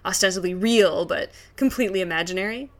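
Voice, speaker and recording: A woman's voice: mid-range voice, quick pace, natural voice. A woman playing a pompous, detached, over-intellectual doctor who lectures in a comedy sketch. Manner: pompous, academic.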